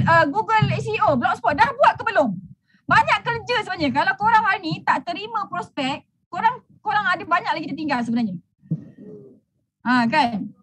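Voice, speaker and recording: High-voiced brash Malaysian woman mentor. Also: a bit bright. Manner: brash, teasing, preachy, laughs often. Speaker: business mentor. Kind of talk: motivational talk to a group.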